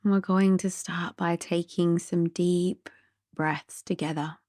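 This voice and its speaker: A meditation guide leads a sleep meditation in a mellow, relaxed voice on the low side. She speaks very slowly, gently and softly, often drifting toward a breathy near-whisper, and the recording is close and dry.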